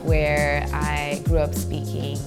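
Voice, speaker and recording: A woman's voice: deep voice, completely flat delivery, slow. A woman who grew up in Belgium, a writer and translator, speaking thoughtfully in a documentary interview. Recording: clear music underneath.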